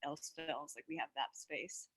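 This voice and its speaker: Low-voiced woman chatting casually. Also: a little slow, fairly bright tone, husky. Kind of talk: casual chat.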